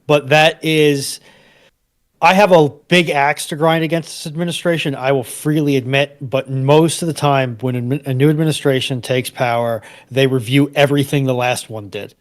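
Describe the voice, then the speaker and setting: A man talking as a panelist in a discussion, explaining in a measured, careful way and pausing to qualify what he says. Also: mid-range voice, fairly even intonation. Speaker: panelist on a live history discussion. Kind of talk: conversational explanation.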